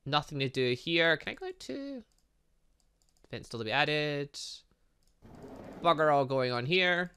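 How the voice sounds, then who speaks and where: A man's voice: on the high side, big pitch swings, measured pace, long pauses, bright, forceful tone, clean tone. A man chatting his way through a visual novel, thinking aloud and reading game text with playful little sound effects. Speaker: gaming YouTuber.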